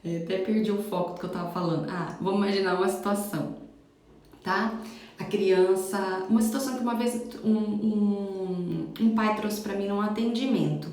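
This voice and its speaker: A woman's voice: medium pitch, steady tone, normal speed, a little mellow. Brazilian lady chatting parenting tips live, keeps going "right?" to viewers, super echoey room. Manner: conversational, frequent tag questions to viewers. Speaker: parenting educator. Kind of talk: live-streamed advice talk.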